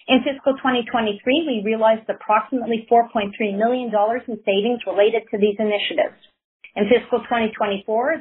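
A woman with a fairly high, slightly husky voice reads a corporate presentation over a narrow phone-like line. She speaks formally and in a measured way, like an executive addressing investors. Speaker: company executive presenting on an earnings call. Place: corporate earnings conference call. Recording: narrow, tinny conference call line.

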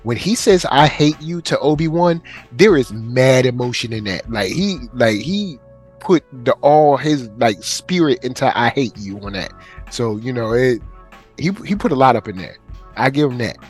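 A man co-hosting a podcast, telling stories in lively slang and laughing often. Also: mid-range voice, moderate pace, faint music behind. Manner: animated, laughing, slangy storytelling. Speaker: podcast co-host. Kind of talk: casual chat.

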